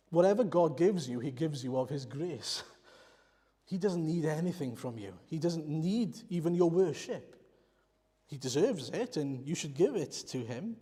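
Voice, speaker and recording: A Welsh man who speaks Welsh preaches a sermon in church, his voice fairly high, mellow and husky. He explains earnestly and poses rhetorical questions to the congregation, and the recording carries the reverberation of the church hall.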